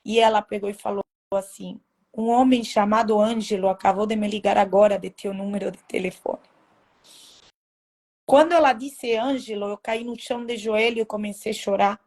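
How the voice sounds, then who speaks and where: A woman telling her personal faith testimony in a halting, emotional way, with many restarts. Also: mid-range voice, steady tone, darkish tone. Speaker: testimony speaker.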